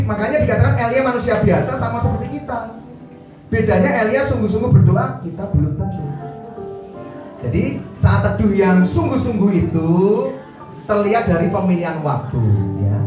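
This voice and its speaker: A man preaching a sermon to a congregation, lively and direct, sometimes acting out quoted voices. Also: high-pitched. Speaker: pastor. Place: church hall. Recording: roomy church hall from a distance with music.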